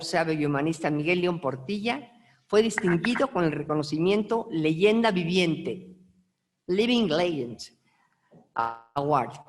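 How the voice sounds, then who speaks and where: A Mexican woman, the author, giving conversational remarks at a book presentation and checking in with the audience. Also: low-pitched. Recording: long hall reverb.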